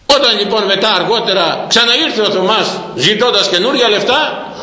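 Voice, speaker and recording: A man preaching a storytelling sermon, telling a tale in a lively way and acting out the characters. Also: high-pitched. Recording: echoey hall with long reverb.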